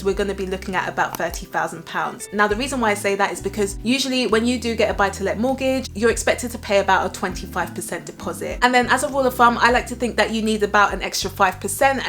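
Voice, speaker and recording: A woman's voice: medium pitch, fairly bright tone. A woman in her twenties giving a chatty, plain-spoken walk-through of her plans as a finance vlogger. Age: 20s. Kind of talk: casual explanatory talk to camera.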